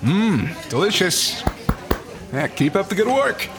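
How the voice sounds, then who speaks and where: An actor playing a wisecracking, cocky adventurer in an audio drama, glib and bantering. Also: male voice, sits high, very animated, slow, full character voice. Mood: joking. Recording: music under the voice.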